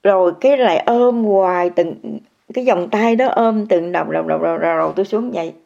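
Brisk and mid-range, with vocal fry and a dark tone, an older woman gives viewers an emphatic account of her meditation experience. She repeats words constantly and speaks to listeners directly, heard through a muffled lo-fi recording.

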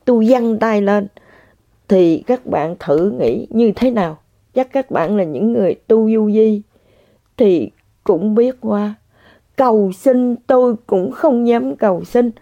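An older woman giving an emotional, halting spiritual testimony to listeners, often repeating herself. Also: fairly high pitch, mellow, no room sound. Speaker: religious practitioner sharing testimony. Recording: dull lo-fi sound.

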